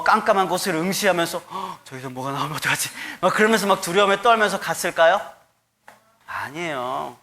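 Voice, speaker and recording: A man in his thirties, a pastor preaching a sermon with animated storytelling. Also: fairly high pitch. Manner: animated storytelling, acts out quoted voices.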